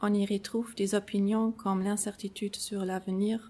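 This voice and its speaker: A woman with a non-native accent speaks at a moderate pace and a medium pitch. Her voice is somewhat breathy, with monotone, flat intonation. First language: not French (speaking French). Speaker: amateur theatre participant. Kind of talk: personal narration.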